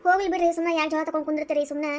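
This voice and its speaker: A woman voicing a meek young wife in a cartoon comedy, softly pleading and placating, with a North Karnataka Kannada accent. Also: high voice, steady tone, racing, lightly acted. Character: meek young wife trying to calm her husband.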